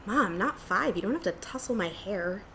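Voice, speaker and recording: A woman's voice: medium pitch, animated, moderate pace, sharp tone, a little hiss or hum. A woman playing a guarded, self-conscious young small-town daughter in an audio drama, reserved and a little wry. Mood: embarrassed.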